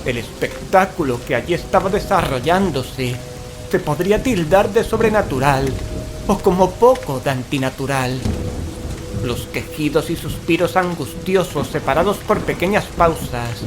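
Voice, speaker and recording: Horror audio drama: male actor as scared paranormal investigator, higher-set male voice, ornate and full of dread, music underneath. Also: animated, normal speed, natural voice. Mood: tense dread. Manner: anxious, ornate, dread-laden delivery. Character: fearful male paranormal investigator telling his horror story. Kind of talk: dramatic first-person horror narration and radio-play dialogue. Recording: dramatic music, rain and thunder behind. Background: music, rain, thunder.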